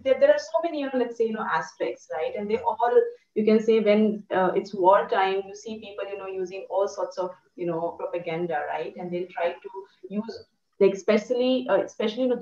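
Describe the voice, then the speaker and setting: A woman's voice: mid-range voice, dark tone. A young woman, lecturing thoughtfully on a video call with many fillers. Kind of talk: academic discussion on a video call. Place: room indoors. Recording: echoey, distant, muffled video call audio.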